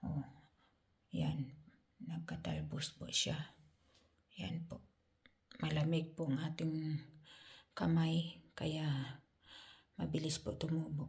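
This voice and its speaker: Very slowly and with long, frequent pauses, a woman speaks in a very deep, low pitch with vocal fry. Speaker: vlogger. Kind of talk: casual vlog tour of plants. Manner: halting, many fillers.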